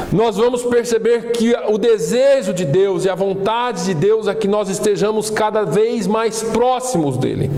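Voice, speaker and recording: A male pastor preaching a sermon earnestly, quoting scripture slowly and swelling louder for emphasis. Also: sits high, a little hiss or hum. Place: church. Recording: echoey church hall.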